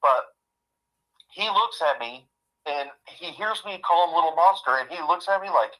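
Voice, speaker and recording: A man of about fifty with a bright, forceful voice who talks in a heartfelt, halting way, doubling back on his words. He shares a personal story over what sounds like a phone-line call. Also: on the high side, animated. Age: 50s. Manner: heartfelt, halting, repeats himself. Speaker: guest.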